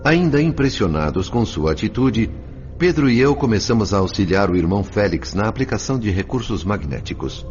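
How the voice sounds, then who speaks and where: An actor playing a reflective, compassionate narrator in a radio drama audiobook, with a Brazilian accent. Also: male voice, lowish voice, very animated, a little fast, a little mellow. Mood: solemn, reflective. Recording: slightly dull sound. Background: faint music.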